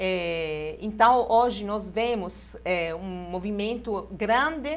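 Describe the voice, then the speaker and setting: With an Italian accent, a woman talks at a very slow pace with lively intonation as room echo is audible. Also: medium pitch for a woman. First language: Italian (speaking Portuguese). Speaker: law professor. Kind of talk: TV interview. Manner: hesitant, many filler sounds.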